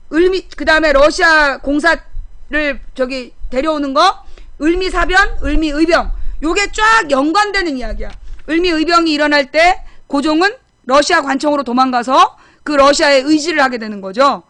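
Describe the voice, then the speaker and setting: A woman's voice: high-pitched, pushed and bright, dry recording. A middle-aged woman hosting a current affairs talk show, explaining history casually and bluntly, firing off rhetorical questions.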